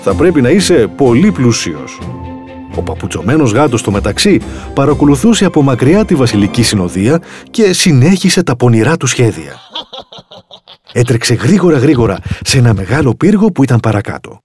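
A man narrating a fairy tale aloud in an expressive, lively storytelling manner. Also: medium pitch, faint music behind. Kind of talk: storybook reading.

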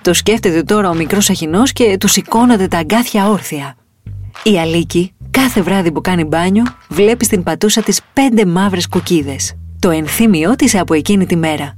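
Expressive woman reading a picture book. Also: on the low side, soft background music. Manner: expressive, lilting. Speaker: storyteller.

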